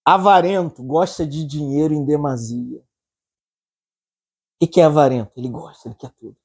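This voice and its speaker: A man's voice: a little high, normal speed, darkish tone, breathy edge. A man with a Brazilian accent preaching a humorous sermon, joking, laughing often and acting out anecdotes.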